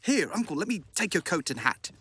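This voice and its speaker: An actor playing a good-natured Victorian gentleman, effusive and easily flustered, in a radio play. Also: mid-range voice, big pitch swings, brisk, husky, exaggerated voice. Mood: welcoming.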